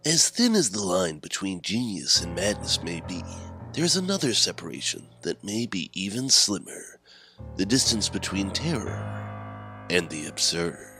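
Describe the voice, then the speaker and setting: Deep, animated male horror anthology host. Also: a little slow. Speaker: host introducing stories. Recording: music under the voice.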